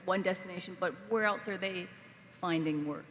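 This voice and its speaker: A woman's voice: on the low side, moderate pace, fairly bright tone. A woman moderating the panel, asking short questions. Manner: brief questions and backchannel. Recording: reverberant hall from off mic, faint noise.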